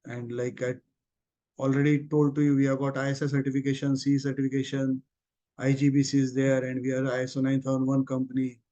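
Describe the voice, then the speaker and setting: A man's voice: medium pitch, monotone, brisk, mellow. A man with an Indian accent giving a company results presentation as an executive on a conference call, speaking informally. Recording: muffled, lo-fi conference call audio.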